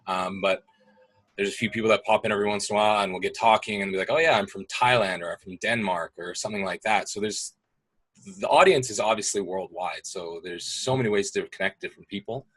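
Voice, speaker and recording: A young man casually explaining gaming on a call, relaxed and explanatory, with plenty of fillers. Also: on the low side, quick pace, breathy edge, low-quality recording. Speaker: guest speaking about gaming. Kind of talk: casual video call discussion.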